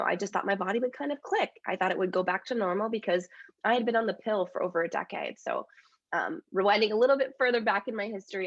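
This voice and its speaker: A congested woman in her thirties, her voice gravelly with fry, talks openly and casually with plenty of fillers. The sound is dry and a little dull, as over a video call. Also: mid-range voice, no room sound. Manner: open, chatty, many fillers. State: congested from a cold. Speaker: dietitian and author, interview guest. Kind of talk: casual interview chat.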